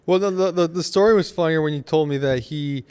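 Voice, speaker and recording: A man's voice: a little high, fast, darkish tone, clear, resonant tone. A man bantering casually, giving his opinions in a direct way.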